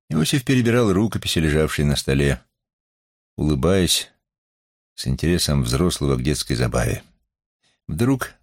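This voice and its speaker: A man with an extremely low, husky, gravelly voice reads a novel aloud. He narrates in a measured, expressive way, with a lively, wide-ranging melody. The recording is close and dry. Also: no echo. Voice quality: husky, creaky. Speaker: audiobook narrator. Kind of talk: expressive literary audiobook reading.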